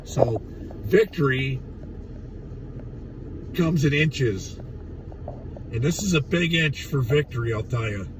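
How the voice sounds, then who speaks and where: A man with a raspy voice gone hoarse from days of yelling, ranting bluntly and profanely on a casual livestream from inside his truck. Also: medium pitch, expressive, slow, long pauses, recorded from a distance, noisy background. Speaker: livestreamer at a protest. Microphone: phone.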